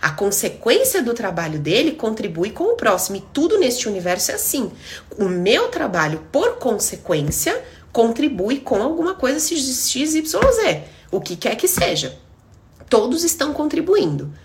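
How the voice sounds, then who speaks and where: A woman's voice: fairly high pitch, wildly swooping pitch, moderate pace, slight background noise. A middle-aged Brazilian woman, a therapist talking on a casual live stream, blunt and emphatic, acting out bits of dialogue. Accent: Brazilian Portuguese.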